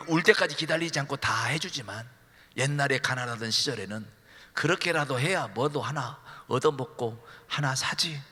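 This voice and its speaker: Animated raspy male pastor, church echo. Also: mid-range voice. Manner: animated storytelling, teasing the congregation. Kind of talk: sermon. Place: church sanctuary. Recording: long church hall reverb.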